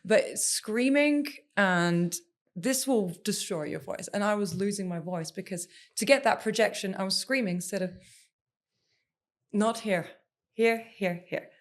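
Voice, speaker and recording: Woman singer-guest, emphatic, repeats key words, mid-pitched voice. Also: measured pace. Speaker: singer and former TV presenter, guest. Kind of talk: podcast interview.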